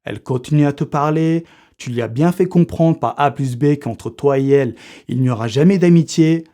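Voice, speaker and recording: A man's voice: on the high side, moderate pace, dark tone. A man giving comic seduction advice straight to the viewer, slangy and mock-serious, talking in one unbroken take. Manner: slangy, addresses viewer as buddy; unscripted one-take delivery, checks notes live. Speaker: comedic seduction-advice youtuber. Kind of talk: mock-serious coaching monologue.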